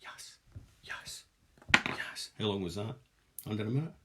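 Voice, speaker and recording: A man's voice: on the low side, measured pace, a bit bright, slight background noise. A young Glaswegian man hosting a live-streamed jewellery workshop, demonstrating and joking with viewers in a chatty, self-mocking way. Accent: Glaswegian Scottish.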